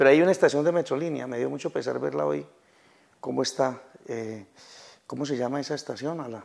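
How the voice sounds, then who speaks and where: A man at a very fast pace. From Colombia, Santander (Bucaramanga / Floridablanca); Santander, Colombia. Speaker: radio communicator and producer; interview guest. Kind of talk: interview. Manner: halting, many repetitions. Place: studio. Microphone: lapel.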